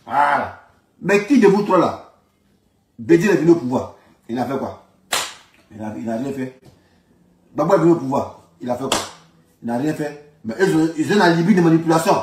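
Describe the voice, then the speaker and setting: A man's voice: on the high side, darkish tone. A man from Ivory Coast with an Ivorian accent, delivering an informal political rant in an emphatic, repetitive, argumentative manner. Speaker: political commentator. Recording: roomy, echoing sound.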